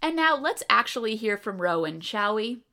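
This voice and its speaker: A woman's voice: fairly high pitch, very animated, moderate pace, bright, forceful tone. A woman with an American accent hosting a podcast, reading a guest's biography and then opening a video-call interview in an eager, upbeat way. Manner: upbeat, eager, reads bio aloud. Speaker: podcast host. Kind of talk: podcast interview with scripted intro.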